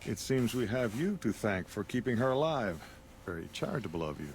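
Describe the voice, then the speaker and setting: A man's voice: lowish voice, big pitch swings, brisk, slightly rough, heavily acted. An actor voicing a cold, arrogant male scientist in a video game, condescending and dismissive.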